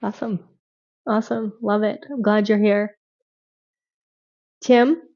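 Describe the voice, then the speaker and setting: A woman's voice: mid-range voice, fairly even intonation, takes it slowly, a little mellow. A woman hosting a group video call, talking loosely with many fillers and restarts. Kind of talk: casual group chat. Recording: dull lo-fi call audio.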